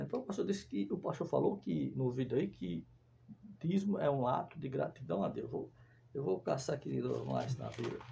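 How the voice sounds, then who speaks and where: Soft-spoken, a man talks at a moderate pace. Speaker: religious commentator. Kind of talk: video commentary.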